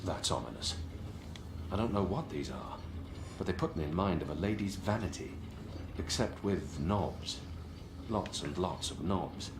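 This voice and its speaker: Game protagonist: brooding adventurer, very low voice, dry inner musing, noisy backdrop. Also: male voice, expressive, unhurried, pauses often. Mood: wry curiosity. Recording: game audio under noisy stream.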